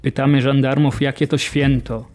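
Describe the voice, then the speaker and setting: A man's voice: medium pitch, level tone, normal speed, darkish tone, natural voice. A man acting as a prisoner giving eyewitness testimony, plain and restrained, in radio-drama narration. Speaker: actor reading a prisoner's account.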